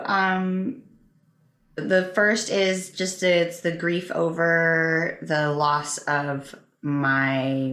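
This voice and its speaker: A Canadian woman speaks as a panelist, telling a personal story. Her voice is low and she takes her time, with a clearly roomy echo around it. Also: fairly bright tone. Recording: roomy, echoing sound.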